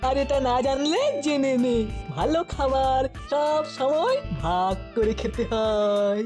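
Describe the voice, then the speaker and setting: A woman's voice: high-pitched, slow pace, music in the background. A woman voicing a gleeful, taunting bully in a comedy cartoon, in a mocking, exaggerated way. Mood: smug, mocking. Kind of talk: animated comedy cartoon acting.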